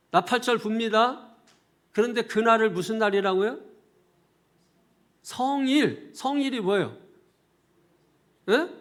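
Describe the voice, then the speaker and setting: A middle-aged male pastor preaching a sermon, animated and conversational, firing rhetorical questions at the congregation with folksy asides. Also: sits high. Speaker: senior pastor.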